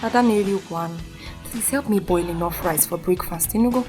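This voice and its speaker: A woman's voice: fairly low pitch, fast, lightly acted. A woman playing a devout, scolding Nigerian Christian mother in an audio drama, with a Nigerian accent and an insistent, preachy manner. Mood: low-key instructing. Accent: Nigerian Igbo-language English. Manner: preachy, exclamatory, repeats herself insistently. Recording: music behind the voice.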